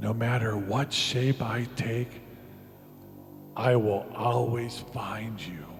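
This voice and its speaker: In a breathy, soft-spoken put-on character voice of medium pitch, a man speaks at a very slow pace with long, frequent pauses over clear background noise. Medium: read story. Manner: calm, gentle, soft.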